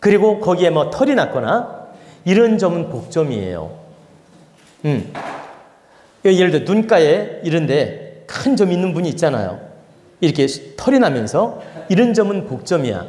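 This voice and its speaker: In a Chungcheong accent, a man with a high pitch talks at a fairly slow pace, taking long, frequent pauses, his pitch swinging very widely amid audible room echo. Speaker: lecturer on fortune-telling and physiognomy. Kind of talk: lecture. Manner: casual, conversational.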